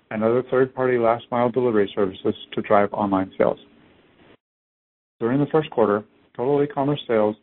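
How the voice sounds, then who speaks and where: Low-voiced male executive on a phone line. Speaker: company executive. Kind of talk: scripted earnings call presentation. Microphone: conference call phone line. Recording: narrow tinny phone-line audio.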